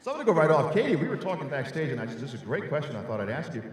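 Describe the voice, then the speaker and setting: A man's voice: medium pitch, sing-song, rapid-fire. A man moderating a convention panel, bellowing introductions and then asking casual questions. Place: large convention hall. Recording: echoey hall from far off with crowd.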